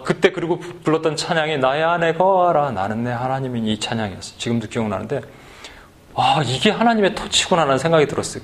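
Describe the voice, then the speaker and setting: A man preaching a sermon as pastor, telling a story with lively acted-out bits, in a church. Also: a little high. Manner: animated storytelling, acts out voices, then leads sung worship. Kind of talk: sermon with acted skit retelling. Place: church sanctuary.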